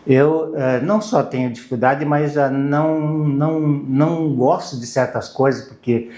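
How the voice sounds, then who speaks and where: A man's voice: fairly high pitch, steady tone, measured pace, dark tone. Guy in his 60s from brazil, japanese is his first language, chatting in an interview, keeps searching for words, echoey room. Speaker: guest, university lecturer and language student. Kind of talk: casual conversational interview. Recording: roomy, echoing voice recording.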